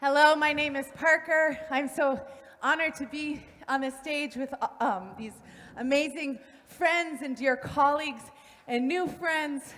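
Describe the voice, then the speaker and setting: A young woman from Minnesota introduces herself graciously on stage. Her voice is high. A large hall adds long reverb. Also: unhurried, a bit bright. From Minnesota, USA. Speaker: performer.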